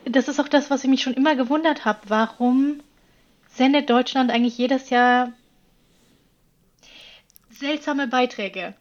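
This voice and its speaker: Norwegian woman chatting in german, bit high voice, slightly dull lo-fi sound. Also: unhurried, pauses often. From Norway. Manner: chatty, laughs often, explains with examples. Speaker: guest. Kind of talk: casual chat.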